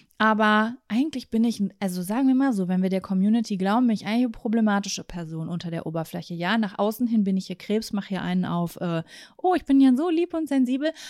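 On a very clean recording with a silent background, a woman with a fairly high pitch talks very fast with hardly any pauses, her tone animated and her intonation lively. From Germany, East Westphalia (Lübbecke). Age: 30s. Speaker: podcast host. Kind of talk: solo monologue, casual.

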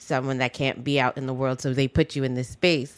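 This very clean recording with a silent background captures a woman's voice. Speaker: podcast host. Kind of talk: interview. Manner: soft-spoken.

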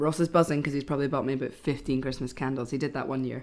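A woman's very deep, low voice in a Scottish accent, at a very fast pace. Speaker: podcast host. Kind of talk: casual chat. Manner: animated.

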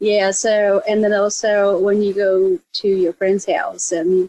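A woman with a Japanese accent and a dark, mellow tone, recorded with a dry, close sound and no echo. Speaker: storyboard artist and martial artist. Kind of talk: casual interview chat.

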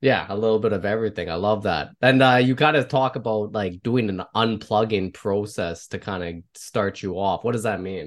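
With an ordinary speaking voice, a man talks at a moderate pace with hardly any pauses, his fairly low pitch showing ordinary variation over a quiet background. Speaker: podcast host and comedian. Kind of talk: casual interview chat.

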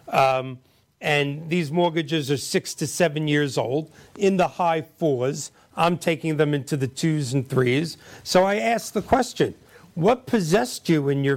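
Speaking at a fairly slow pace, a man uses an ordinary speaking voice with a fairly high pitch. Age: 60s. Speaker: TV show host. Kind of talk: panel discussion, TV show host. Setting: studio.

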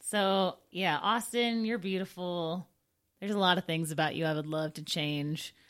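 Speaking with a Michigan accent, a woman keeps a fairly slow pace. Her pitch is fairly low, with ordinary variation. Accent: Michigan, US Midwest. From Detroit, Michigan. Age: 30s. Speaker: hairstylist. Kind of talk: casual interview chat.

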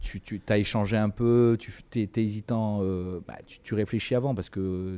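A dark, mellow tone with fairly even intonation at a moderate pace, on a very clean recording with a silent background. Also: man. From France, Nice. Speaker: contemporary artist. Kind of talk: casual chat.

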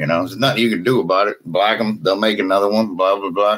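Through noticeable background noise, a man speaks at a very fast pace with a fairly low pitch. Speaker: gamer and online content creator. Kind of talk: casual chat. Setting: video call.

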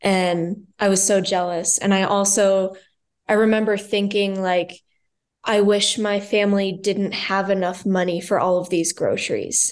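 An unremarkable speaking voice from a woman, medium in pitch, very even in loudness, at a fairly slow pace, over a quiet background. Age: young. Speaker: author, eating disorder recovery. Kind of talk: interview conversation.

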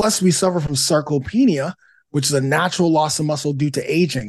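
With a normal speaking voice, a man pitched fairly high speaks at a fairly quick pace with lively intonation against a quiet background. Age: 50s. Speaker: fitness coach and former pro athlete. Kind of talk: casual chat.

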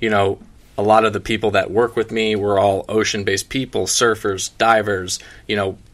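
In an unremarkable speaking voice, a man with an American accent talks at a moderate pace and medium pitch on a very clean recording with a silent background. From South Florida. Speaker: media company founder and entrepreneur. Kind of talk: casual interview.

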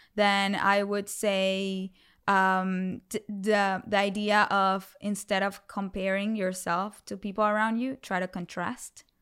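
The speaker has a Latin American accent and a very slow pace. The intonation is monotone and flat. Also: woman, medium pitch for a woman, hardly any pauses, very clean recording, silent background. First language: Spanish. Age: 30s. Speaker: motivational speaker and author. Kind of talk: casual interview. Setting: at home.

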